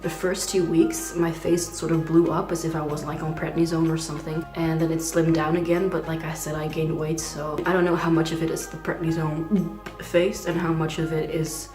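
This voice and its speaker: A young trans man talking in a casual video diary, hesitant and full of fillers, with a fragile voice that sometimes skips between low and high. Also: flat delivery, normal speed, echoey room, over music. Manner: hesitant, many "like" fillers, nervous laughs. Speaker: vlogger.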